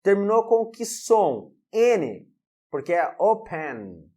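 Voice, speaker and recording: Man, English teacher, slow and animated, drills every word. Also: sits high. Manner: repeats words slowly and drills pronunciation. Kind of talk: video lesson.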